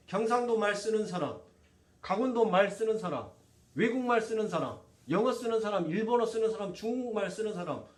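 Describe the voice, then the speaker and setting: Pastor guy preaching, high voice, lots of questions to the pews, echoey room. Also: recorded from a distance. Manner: preaching with constant rhetorical questions to the congregation. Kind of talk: sermon. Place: church sanctuary.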